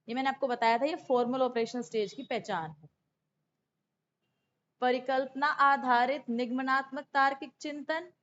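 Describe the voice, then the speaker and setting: A woman with a hoarse, sore throat, teaching an exam-prep lesson in an explanatory way and mixing in English terms. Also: high voice, a bit bright. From India. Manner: instructive, checks in with "okay", mixes in English terms. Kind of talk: explanatory exam lesson, going through questions. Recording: dull lo-fi sound.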